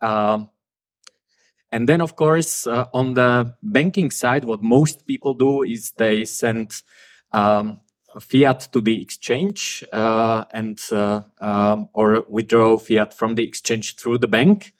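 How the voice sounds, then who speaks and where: A man's voice: fairly low pitch, fairly even intonation, slow. A man giving a talk at a conference, blunt and frank, with frequent "uh" fillers. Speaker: conference speaker.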